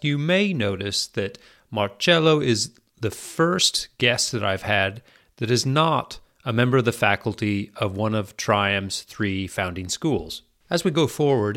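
A man hosting a podcast, reading a measured, formal introduction and then interviewing his guest. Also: lowish voice, fairly bright tone. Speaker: podcast host.

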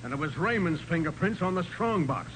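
An actor playing a blunt, excitable police sergeant in a 1940s radio drama. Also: male voice, a little high, a little fast, natural voice. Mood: excitable, officious. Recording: very noisy 1940s radio recording.

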